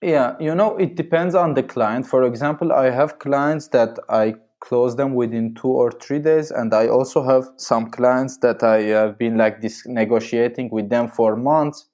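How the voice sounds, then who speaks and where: A man's voice: mid-range voice, steady tone, measured pace, few pauses, darkish tone. A man from Syria speaking non-native English, answering in a podcast interview with many fillers and restarts. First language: Armenian and Arabic. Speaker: marketing agency owner, guest.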